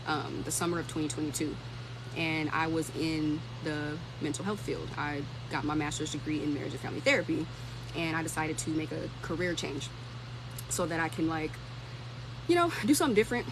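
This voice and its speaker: On her casual livestream, a thirty-year-old woman who makes tech career content replies to comments in an informal, think-aloud way. Her voice is low-pitched and brisk, and there's noise in the background.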